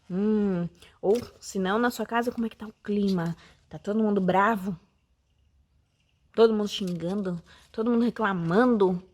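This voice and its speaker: A woman teaching a children's Sunday school lesson from home, with a sweet, coaxing manner and many questions to the kids. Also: medium pitch. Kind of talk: children's Bible lesson, talking to the camera.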